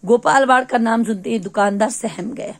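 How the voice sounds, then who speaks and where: A woman's voice: on the high side, normal speed. Patient woman teacher explaining a lesson. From Ladakh, India. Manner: patient, explains answers step by step.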